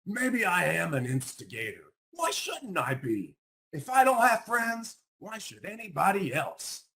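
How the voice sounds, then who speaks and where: A man's voice: high voice, sing-song, measured pace, vocal fry, sharp tone, slight background noise, voice pushed up, heavily acted. A man voicing a lonely, spiteful young male alligator in a picture book, with a defiant, grumbling manner.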